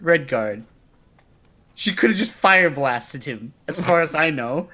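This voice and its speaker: A man's voice: fairly high pitch, animated, slow pace, bright, forceful tone. A man playing a tabletop roleplay game, bantering playfully and casually, often repeating his phrases.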